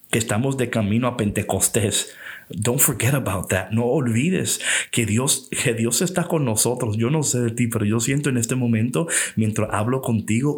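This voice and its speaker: A middle-aged pastor preaches an earnest podcast sermon, urging his listeners on in a voice of middling pitch. He drops in English phrases here and there and moves into prayer. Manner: earnest, exhorting, closes in prayer.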